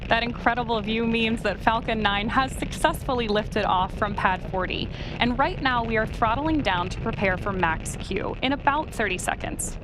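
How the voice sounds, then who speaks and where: A woman's voice: a little high, normal speed, hardly any pauses, background noise. A woman hosting a live launch webcast, explaining things step by step as commentary.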